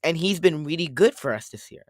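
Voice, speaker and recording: A man co-hosting a casual sports podcast, rambling and circling back to his points, a little hoarse after a cold. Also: fairly high pitch, lively intonation, fairly quick, no echo, clean studio sound. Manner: rambling, repeats himself, quotes others. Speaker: podcast co-host.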